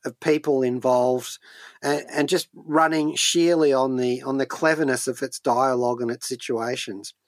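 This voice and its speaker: A man's voice: mid-range voice, steady tone, moderate pace, dry recording. A man chatting as a radio co-host and reviewer, hesitantly repeating words as he goes. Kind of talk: conversational review chat. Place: radio studio.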